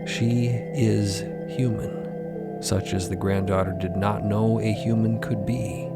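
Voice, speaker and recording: A man narrates audio fiction at a very slow, deliberate pace, his hushed phrases broken by pauses. His voice has a creaky grain, and music plays prominently underneath. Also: lowish voice, level tone.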